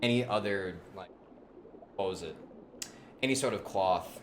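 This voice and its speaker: A man chatting casually on a livestream in an informal, halting, conversational way. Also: deep voice, a little hiss or hum.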